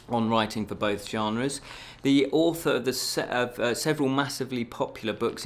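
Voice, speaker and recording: A man's voice: medium pitch, a bit bright. A man presenting scripted news items as a show host, in a casual, chatty way with jokey asides.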